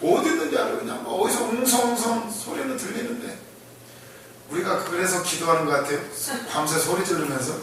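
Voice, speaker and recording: A man preaching a conversational sermon to a congregation, acting out the blind men's shouting and laughing often as he tells the story. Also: sits high, fairly quick, a little hiss or hum. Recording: echoey room, voice from far off the mic.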